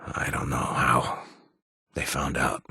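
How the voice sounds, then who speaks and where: A man's voice: rumbling low, completely flat delivery, takes it slowly, creaky, pushed and bright, breathy edge, dry recording, studio quality, exaggerated voice. An actor playing a remorseful male ex-raider companion in a video game, wry and self-deprecating. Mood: panicked. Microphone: studio mic, dry booth.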